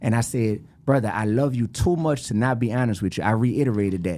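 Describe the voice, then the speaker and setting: A man speaks with a New Orleans accent. His tone is dark and mellow. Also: very clean recording, silent background. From New Orleans, Louisiana. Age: 40s. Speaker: rapper and youth speaker. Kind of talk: podcast debate. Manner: animated.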